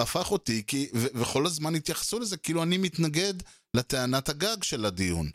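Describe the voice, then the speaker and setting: A man's voice: medium pitch, no room sound, clean studio sound. A man hosting a solo podcast, talking through his thoughts in a loose conversational way, with lots of fillers and restarts, and often acting out both sides of an argument. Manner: conversational, many fillers and restarts, acts out quoted exchanges. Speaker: podcast host.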